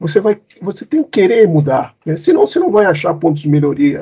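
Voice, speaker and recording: Very wide pitch swings in a man's moderately paced speech. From Cape Verde. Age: 40s. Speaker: business executive. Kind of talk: interview.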